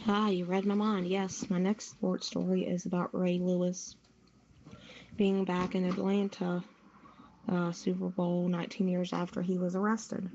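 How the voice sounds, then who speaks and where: A woman's voice: fairly low pitch, level tone, a little slow, a little mellow, slight background noise. A woman presenting sports news on a podcast, reading from a script. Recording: dull lo-fi audio.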